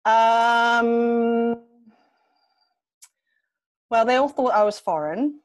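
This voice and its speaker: A young Englishwoman appears as a guest on a relaxed podcast interview, her voice a little high and her delivery extremely slow. She hesitates with ums and restarts and laughs often.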